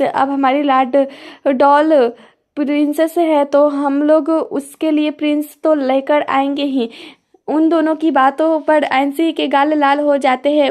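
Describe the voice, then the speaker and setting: Female storyteller: high, flat, gravelly, reads from a script. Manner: reads all characters in a near-plain voice. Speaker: narrator.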